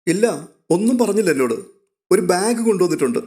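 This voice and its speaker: A man voicing an eager, chatty young girl who reports news excitedly. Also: sits high, fairly quick, pitched above the performer's own voice.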